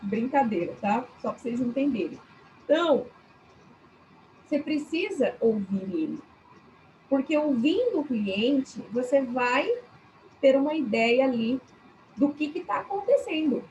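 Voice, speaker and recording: A woman with a high voice and a Brazilian Portuguese accent teaches a class on customer service. She keeps it chatty, turns to her students often and acts out little scenes. Faint noise sits under the recording. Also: animated, unhurried, pauses often, a little mellow, muffled recording. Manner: chatty, addresses class as "gente", acts out examples.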